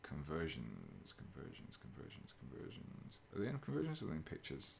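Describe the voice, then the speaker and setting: Male streamer, deep and even, relaxed chatty delivery at a painting desk. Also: brisk, gravelly, slight background noise. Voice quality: low, fairly monotone voice. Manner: relaxed, chatty, chuckles often, reads chat aloud. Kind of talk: casual live stream chat while painting.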